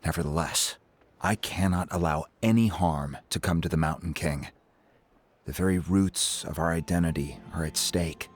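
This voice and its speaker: An actor playing a dignified, earnest middle-aged tribal chief in a video game, speaking formally and courteously. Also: male voice, low-pitched, moderate pace. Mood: solemn, earnest.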